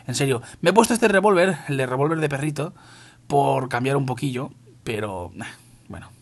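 At a moderate pace, with lively intonation in a mid-range voice, a young Castilian-accented Spaniard commentates a mobile shooter match for his viewers. This gaming YouTuber is casual, uses swear words, and calls everyone "tío".

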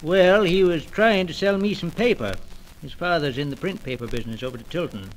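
A man's voice: a little high, brisk, lightly acted. An actor playing a folksy, amused middle-aged father in an old-time radio soap opera, speaking colloquially. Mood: amused, easygoing. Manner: colloquial, easygoing. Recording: noisy old radio recording.

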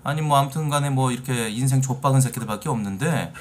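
A man's voice: mid-range voice, fast. A man in his thirties hosting a stream from a room at home on a headset, scolding callers in a mock-stern way during casual voice-chat banter. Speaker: streamer host.

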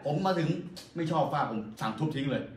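A man chatting casually, relaxed and explanatory, showing a guest around his house. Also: a little high, fast talker, roomy sound. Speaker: homeowner guest. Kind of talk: casual chat.

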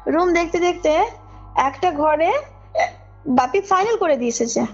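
A woman tells her story in a high voice. She speaks informally and with emphasis, checking that the listener follows. The call audio is muffled, with music clearly playing behind her. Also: animated, unhurried. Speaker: caller telling a personal ghost story. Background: background music.

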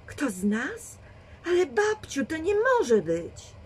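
Lady doing a scared young woman, trusting, high pleading voice. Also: big pitch swings, takes it slowly, slight background noise. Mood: frightened.

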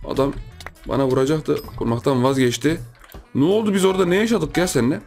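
A man hosting a gaming channel, giving lively gameplay commentary, repeating himself and yelping in surprise while chatting to his viewers. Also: a little high, quick pace, creaky, soft background music. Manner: excitable, repeats phrases, shouts in surprise; chatty, addresses viewers as friends.

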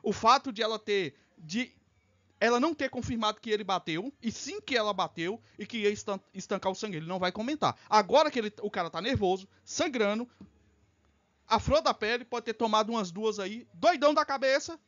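A man's voice: high voice, animated, a little fast, a bit bright, highs cut off. A man hosting a live reaction stream, arguing heatedly and swearing as he reacts to a video. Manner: fiery, profane, argumentative.

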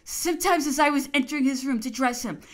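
A woman reading a memoir aloud in a measured narration, sometimes laughing with amusement. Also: high-pitched. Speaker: audiobook reader.

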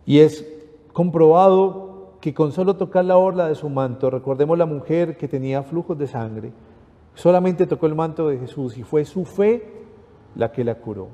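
A male preacher with a Panamanian accent delivers a Gospel reading and homily. His voice is pitched fairly high but sounds very dark and mellow. He speaks earnestly and drives his points home through repeated appeals, and a long reverb rings around him as if he were in a large church. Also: moderate pace. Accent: Panamanian Spanish.

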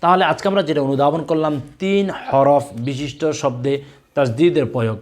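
Man drilling letter spelling, raised pitch. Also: expressive. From Bangladesh. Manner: slow, loud drilling of Arabic letter spelling with repetitions. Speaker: teacher. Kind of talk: recorded Quran reading lesson for young children.

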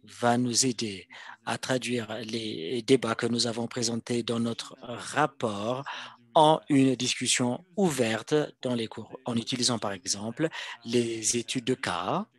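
A man interpreting a formal presentation live, in halting phrases that come piece by piece. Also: medium pitch, steady tone, breathy edge. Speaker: simultaneous interpreter.

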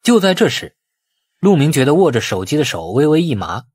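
A man's voice: fairly high pitch, very animated, brisk, darkish tone, husky, dry recording, studio quality. A man reading a suspense novel as a dramatic audiobook narrator.

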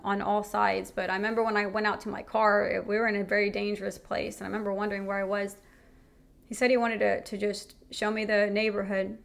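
A woman's voice: mid-range voice, creaky, a bit bright. A young woman giving an earnest personal faith testimony, speaking frankly about her own experiences.

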